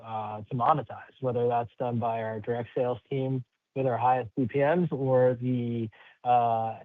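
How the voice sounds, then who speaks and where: A man speaking as a company executive answering questions on an earnings call, halting, rambling and upbeat. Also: mid-range voice, dry recording. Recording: slightly muffled, dry call audio.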